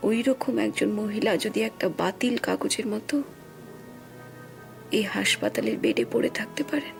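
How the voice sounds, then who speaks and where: An actress playing a weary young woman stuck in a hospital bed, speaking quietly and sadly with a Bengali accent. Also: mid-range voice, sing-song, moderate pace, vocal fry, music in the background. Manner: quiet, subdued, melancholy speech. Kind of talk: TV serial drama acting.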